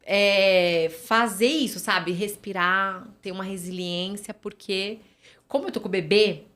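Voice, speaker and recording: A woman talks as a guest on a podcast. She is a physiotherapist, and she tells long stories in a loose, chatty way, full of fillers and little tag questions. Her pitch sits in the middle range. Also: fairly even intonation, a little slow, a bit bright. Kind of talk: casual podcast conversation.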